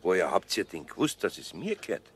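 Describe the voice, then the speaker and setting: Older Bavarian master craftsman, husky, animated, grumbling yet kindly, children's radio play. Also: low voice, a little fast, full character voice. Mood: kindly, amused. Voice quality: gravelly, husky.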